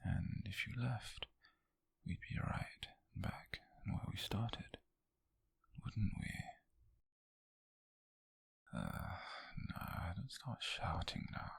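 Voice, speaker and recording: A man performs a possessive, lovesick British coworker turned captor in an intimate ASMR roleplay. His low voice is extremely breathy and husky, often sinking into whisper. He coaxes slowly and tenderly, with an obsessive edge. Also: no room sound, clean studio sound, heavily acted. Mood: quietly menacing. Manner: slow, coaxing, hushed, intimate with pauses.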